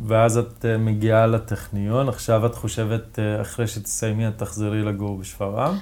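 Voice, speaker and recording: A man's monotone, flat delivery at a moderate pace with hardly any pauses. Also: medium pitch for a man. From Israel, Druze community. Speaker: podcast host. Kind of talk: casual interview.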